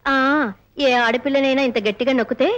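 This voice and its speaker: An actress playing a quick-witted young courtesan in a film comedy, coaxing and teasing. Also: female voice, sits high, steady tone, highs cut off, lightly acted.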